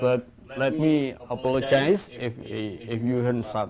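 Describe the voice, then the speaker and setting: A man with an Indonesian accent at medium pitch. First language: Indonesian or regional language; English is third. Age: 50s. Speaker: conference presenter, translator. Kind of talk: presentation. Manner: halting.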